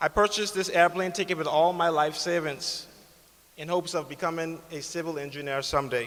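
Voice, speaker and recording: A man with a strong Bahamian accent, high in pitch, fairly quick, with fairly even intonation over noticeable background noise. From Bahamas. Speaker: graduating student. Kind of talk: commencement speech.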